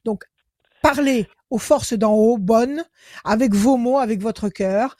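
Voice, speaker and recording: A woman's voice: fairly high pitch, takes it slowly, a little mellow, no echo. A woman psychic gives consultations on a radio phone-in, pressing her advice over and over. She sits close to the studio mic, and the sound is dry and close. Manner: insistent, repetitive advice. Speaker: psychic on a call-in show. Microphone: studio microphone.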